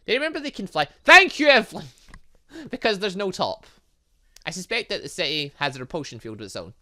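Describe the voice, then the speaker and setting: A man giving animated let's play commentary on a video game, reading dialogue aloud and adding sarcastic asides. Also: high-pitched, a little fast. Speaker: gaming channel host.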